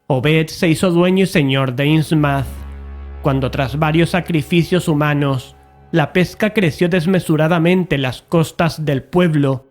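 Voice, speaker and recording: A man's voice: a little high, natural voice. A man playing an investigator who chronicles sinister events, narrating an audio drama in a solemn, formal way. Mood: ominous.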